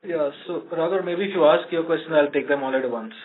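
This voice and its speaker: Indian-accented executive man on a muffled call. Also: a little high. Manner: measured, explanatory, halting with frequent mid-phrase pauses. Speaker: company executive answering analyst questions. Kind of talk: earnings call answers. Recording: muffled band-limited conference call line.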